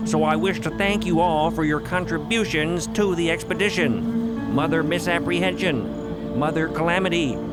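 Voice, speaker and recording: An actor voicing a jovial, pompous hammer-headed creature in an audio drama, with a loud, carrying, booming voice and formal manner. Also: male voice, natural voice, low-quality recording. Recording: loud music behind the voice. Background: loud music.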